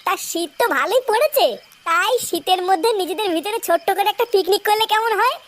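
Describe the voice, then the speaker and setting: Squeaky, brash cartoon village lad. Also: female voice, fast, a bit bright. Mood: cheeky. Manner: brash, slangy, swearing. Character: cheeky, foul-mouthed, boastful young village lad. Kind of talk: comedy cartoon dialogue.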